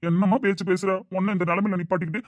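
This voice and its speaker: A man's voice: high voice, fairly even intonation, rapid-fire, no room sound, close to an everyday voice. A man playing an older father weighed down by guilt over his daughter, talking in an earnest, heavy-hearted way. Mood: sorrowful. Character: grieving aging father, guilt-ridden and tender. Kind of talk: amateur family drama acting. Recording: dull lo-fi sound.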